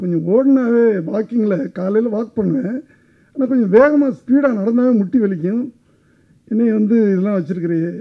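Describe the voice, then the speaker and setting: A high-pitched male voice with ordinary pitch variation over a quiet background. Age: 70s. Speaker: actor. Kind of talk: press meet speech. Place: hall. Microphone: podium.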